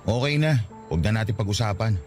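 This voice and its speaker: Isang lalaking gumaganap sa dramang pag-ibig sa radyo bilang nasaktan at mapait na batang nobyong iniiwan, puno ng panunumbat. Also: male voice, lowish voice, fast talker, a little mellow, faint music behind, close to an everyday voice. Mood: cold, resigned. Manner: wounded, reproachful. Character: hurt, bitter young boyfriend being dumped. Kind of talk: radio romance drama acting.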